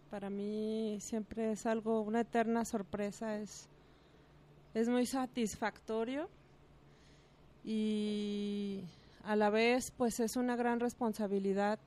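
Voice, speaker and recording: A woman's voice: on the high side, a little mellow. A woman, a guest and mother on a radio talk show, thoughtful and searching for words.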